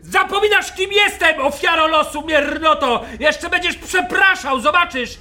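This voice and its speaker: An actor playing an arrogant communist official who shouts down his brother in a radio play. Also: very high voice, moderate pace, exaggerated voice. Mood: scornful. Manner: shouting, scornful, commanding. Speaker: radio drama character.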